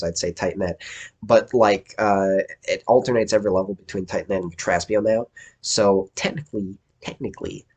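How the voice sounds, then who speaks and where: A man with a somewhat low voice talks through his game's progress in a casual vlog. He sounds eager and rambles, often breaking off to rephrase what he just said. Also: a little mellow. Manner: enthusiastic, rambling, self-correcting. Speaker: indie game developer.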